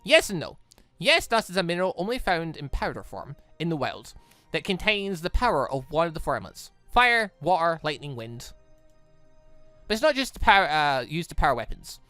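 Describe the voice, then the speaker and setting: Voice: mid-range voice, big pitch swings, fairly quick, bright, forceful tone, no room sound. A game streamer voicing a breezy, knowledgeable female hunter who explains the world to a student in a casual, confident way. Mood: explanatory. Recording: music playing under the voice.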